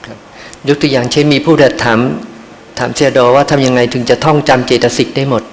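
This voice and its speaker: A man's voice: mid-range voice, steady tone, fast. A man interpreting a dharma talk, speaking politely and ending his phrases with polite particles. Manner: polite, ends phrases with khrap. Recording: long hall reverb, faint noise.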